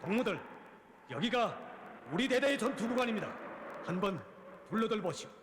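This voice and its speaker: A man's voice: sits high, animated, moderate pace, noisy background. A man with a North Korean accent acting an earnest construction brigade leader in a film, addressing comrades in solemn, rousing oratory. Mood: solemn resolve. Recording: echoey hall reverb, music behind.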